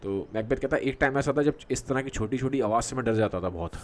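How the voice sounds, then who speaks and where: A man teaching literature, explaining a play in casual Hindi mixed with English, full of fillers and check-ins. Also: medium pitch. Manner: mixes Hindi with English terms, many fillers and "theek hai" checks; reads quoted verse slowly with halting restarts.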